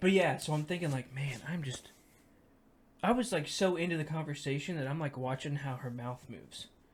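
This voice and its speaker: Lively intonation marks this man's fairly high-pitched voice. He sounds somewhat breathy. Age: 20s. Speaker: podcast co-host. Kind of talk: casual chat. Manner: fast.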